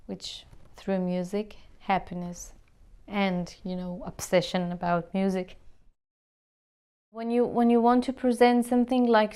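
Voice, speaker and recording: A woman's voice: medium pitch, darkish tone, clear, resonant tone. A woman from Syria, a musician, speaking English in an earnest interview and searching for words as she talks. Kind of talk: interview answers to camera.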